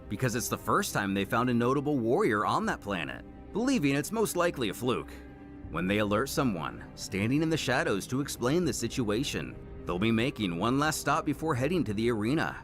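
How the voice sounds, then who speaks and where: A man narrating a scripted story recap with animated delivery and wry asides. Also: mid-range voice. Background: faint background music.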